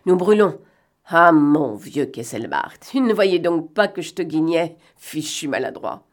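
Woman voicing a sly gentleman thief for an audiobook: bantering, sardonic, quick commands, pitch sitting a bit low. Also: animated. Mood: mocking. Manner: bantering, sardonic, brisk orders. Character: cunning gentleman thief, man, mocking and commanding. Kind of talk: audiobook reading.

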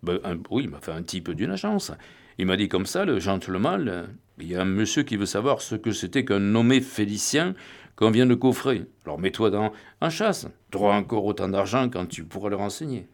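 A man's voice: lowish voice, very animated, normal speed. A man reading an audiobook, voicing a drunk, evasive older man whose answers are hesitant and slurred.

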